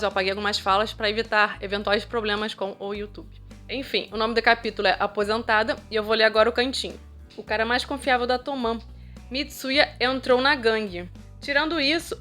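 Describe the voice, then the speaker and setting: A Brazilian woman reading a manga chapter aloud and commenting on it. Her voice sits a bit high, and she talks in a chatty, joking way. Faint music plays underneath. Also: bright, forceful tone. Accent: Brazilian Portuguese. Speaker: YouTuber. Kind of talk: casual manga read-aloud.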